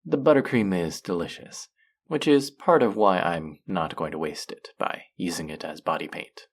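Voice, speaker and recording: A man playing a smug, dominant faerie trickster in an intimate roleplay audio drama, teasing and mock-scolding in a sultry, drawn-out way. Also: sits low. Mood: smug, commanding.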